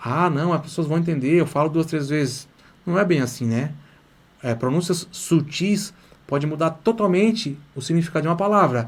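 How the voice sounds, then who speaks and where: A man's fairly high voice in a Santa Catarina accent, with ordinary pitch variation. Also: moderate pace. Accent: Santa Catarina Brazilian Portuguese. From Santa Catarina, southern Brazil. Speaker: Italian language teacher. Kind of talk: online lesson. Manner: casual, repetitive.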